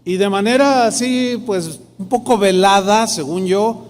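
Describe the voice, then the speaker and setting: A man's voice: high-pitched, a little slow, a little hiss or hum. A middle-aged man, a pastor telling a personal testimony in a sermon, acting out the dialogue in shifting tones. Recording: long hall reverb.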